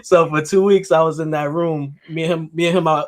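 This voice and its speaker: A man's voice: a little high, steady tone. A man hosting a wrestling podcast, trading jokes and telling stories in casual chat. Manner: joking, storytelling, drawn-out intros. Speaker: podcast host.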